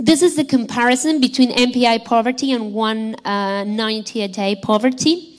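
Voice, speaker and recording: Against a quiet background, a woman in a Spanish accent talks at a high pitch and fairly slow pace with ordinary pitch variation. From Argentina. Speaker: economist; conference presenter. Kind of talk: conference talk. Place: hall. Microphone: podium.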